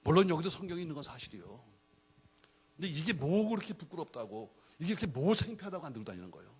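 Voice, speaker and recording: A man's voice: fairly high pitch, fast talker, breathy edge. A middle-aged man preaching a sermon as a pastor, telling jokey stories and acting out the dialogue. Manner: animated, jokey storytelling with acted-out dialogue.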